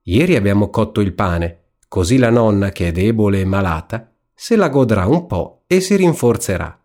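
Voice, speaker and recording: A man voicing an innocent little girl in a red hood in a spoken storybook, high and wide-eyed. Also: very animated, normal speed, a little mellow.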